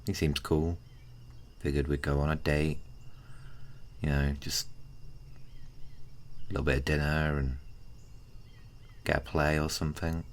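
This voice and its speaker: A man playing a laid-back, kind, teasing male friend in an ASMR roleplay, chatting casually and haltingly to the listener. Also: a bass voice, little pitch movement. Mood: awkward, let down. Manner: hesitant, halting, colloquial, with sighs and soft chuckles.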